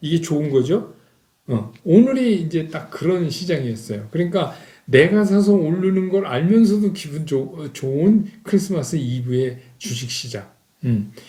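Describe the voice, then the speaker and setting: A man speaks at a moderate pace with a fairly high pitch and lively intonation. It is a normal speaking voice. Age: 60s. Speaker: stock market commentator. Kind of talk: market commentary monologue. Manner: casual, many filler words; conversational.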